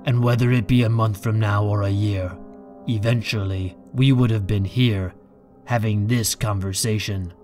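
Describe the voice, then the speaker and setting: A man's voice: fairly low pitch, steady tone, normal speed, darkish tone, soft background music, lightly acted. A man playing a proud, coldly angry man in an audio drama, speaking with cutting, sardonic control. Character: proud, defiant, coldly angry man facing his enemy.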